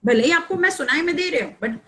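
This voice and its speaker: A woman's voice: sits high, animated, fast talker, bright, forceful tone, poor audio. A woman trainer giving an online training session over a headset, explaining in a conversational way, mixing in English and asking the audience questions. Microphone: headphones on a video call.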